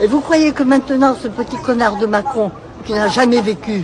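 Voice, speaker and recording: A woman at a moderate pace with lively intonation, crowd noise in the background. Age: 80s+. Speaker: elderly protester interviewed on street. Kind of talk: street interview.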